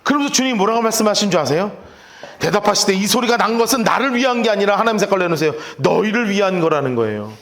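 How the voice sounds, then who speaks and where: A man's voice: high voice, lively intonation, quick pace, fairly bright tone. A man preaching a sermon as pastor, telling the story dramatically and speaking directly to the children in the room.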